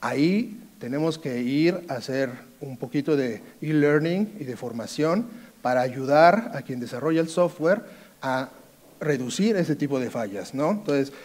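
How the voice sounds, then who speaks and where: A man with an Italian accent giving a conference talk on a dark stage, hesitant, with many fillers and restarts. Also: on the high side. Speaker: conference speaker, sales engineer. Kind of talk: conference presentation.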